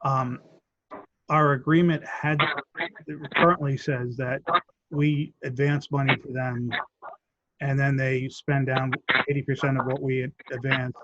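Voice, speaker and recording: A man with a hoarse, fading voice speaks in a flat, even tone, pausing now and then to clear his throat. His updates are steady and measured. The sound is muffled and lo-fi, with a faint hiss behind him. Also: medium pitch. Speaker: land bank staff member. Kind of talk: committee meeting discussion.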